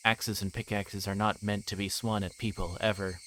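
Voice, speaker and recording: A man's voice: lowish voice, level tone, moderate pace, heavy background noise. A man livestreaming a visual novel, reading the text aloud and sometimes stumbling and correcting himself.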